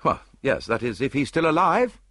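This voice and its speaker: A man's voice: medium pitch, sing-song, normal speed, a bit bright, dry recording, pitched above the performer's own voice. A man voicing a tall, gloomy detective who speaks in a lofty tone.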